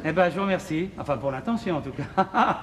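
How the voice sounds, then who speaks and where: An actor playing a flustered, excitable man fussing over a date, stammering and muttering to himself on a theatre stage in a televised boulevard comedy. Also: on the high side, a little fast, natural voice. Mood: eager. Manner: stammering, fussy, talks to himself. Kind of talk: 1980s French boulevard stage comedy acting. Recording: hissy old television broadcast recording.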